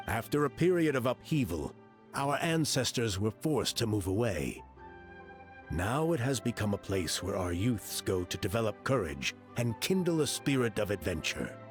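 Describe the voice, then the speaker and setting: An actor playing a confident, courteous tribal official in a video game, speaking in an earnest, measured, formal way. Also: male voice, medium pitch, close to an everyday voice.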